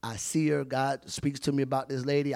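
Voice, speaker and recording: On a very clean recording with a silent background, a man speaks fairly quickly at a medium pitch. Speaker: traveling evangelist. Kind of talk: testimony. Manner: earnest, hesitant, stumbling with many filler words as he recounts the story.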